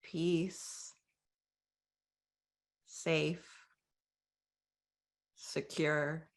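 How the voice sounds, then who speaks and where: A woman leading a guided breathing meditation, speaking softly and gently with long, inviting pauses. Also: deep voice, level tone, gravelly.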